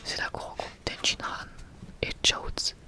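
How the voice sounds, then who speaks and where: Here a video creator presents an ASMR showcase in a gentle, breathy whisper without voicing. The delivery is relaxed, hesitant, and unrushed.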